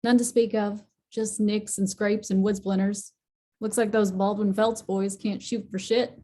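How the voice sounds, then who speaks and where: Woman acting mellow, curt small-town matriarch. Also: mid-range voice, little pitch movement, measured pace, lightly acted. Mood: grimly matter-of-fact. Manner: blunt, folksy, unsentimental. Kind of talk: scripted drama table read.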